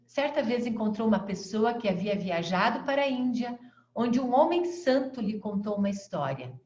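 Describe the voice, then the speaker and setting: A woman with a Brazilian accent teaching an online class, acting out fast, slow and melodic ways of speaking as examples. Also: darkish tone. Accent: Brazilian Portuguese. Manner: demonstrates voice tones, shifting pace and pitch. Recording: echoey, dull lo-fi sound.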